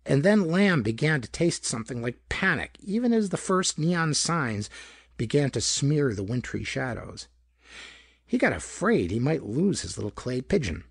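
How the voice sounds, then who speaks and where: A man narrating a pulp detective story in a gravelly, husky voice, with dramatic storytelling delivery. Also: medium pitch, very animated, moderate pace, no echo, clean studio sound. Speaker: audiobook narrator. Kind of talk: scripted narration of hardboiled pulp detective fiction.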